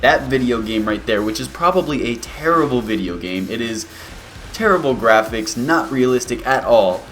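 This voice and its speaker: A man of about twenty, a YouTuber answering viewer questions in a relaxed, rambling way with many fillers. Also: mid-range voice, normal speed, soft background music. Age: 20s. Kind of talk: casual Q&A vlog.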